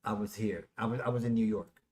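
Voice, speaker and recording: Animated Puerto Rico-born male host. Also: fairly low pitch, a little fast, a crowd in the background. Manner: animated storyteller, repeats words while thinking. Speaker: podcast host. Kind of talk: casual interview chat.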